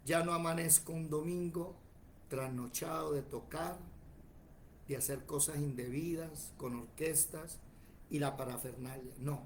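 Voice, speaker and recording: A man, preaching a sermon in a church and telling lively stories in which he acts out other people's voices. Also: fairly high pitch, measured pace, slight background noise. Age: 40s. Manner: animated, tells stories acting out other voices.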